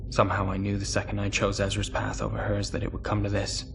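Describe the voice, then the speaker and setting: A man's voice: lowish voice, monotone, quick pace, vocal fry, background noise. An actor playing an earnest, brooding young male mech pilot in a video game cutscene, determined and serious. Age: young adult. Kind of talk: dramatic game cutscene acting.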